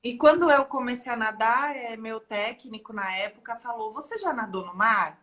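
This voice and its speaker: A woman's voice: fairly high pitch, normal speed, a bit bright. A woman from São Paulo with a Paulista accent, a guest telling her story in an earnest, casual way. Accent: Brazilian Portuguese, São Paulo. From São Paulo, Brazil. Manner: earnest, repeats words when starting. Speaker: guest, marathon swimmer.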